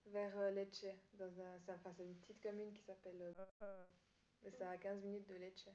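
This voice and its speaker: Soft-toned woman answering interview questions. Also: medium pitch, level tone, moderate pace. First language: Italian. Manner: hesitant, many fillers and restarts. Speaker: student teacher. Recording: dull echoey room recording.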